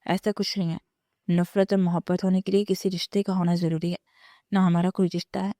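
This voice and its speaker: A woman's voice: on the low side, level tone, mellow, no echo, clean studio sound, lightly acted. A woman voicing a tearful young wife pleading emotionally in a storybook reading.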